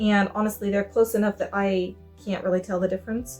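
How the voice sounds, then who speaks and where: A relaxed tone comes through with music in the background. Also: woman. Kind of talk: casual talk to camera. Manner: chatty, relaxed.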